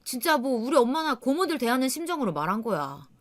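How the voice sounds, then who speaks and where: An exasperated young husband in a radio drama, voiced by a woman reading the story. He argues in an insistent, lecturing way with a lively, rising and falling pitch. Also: fast.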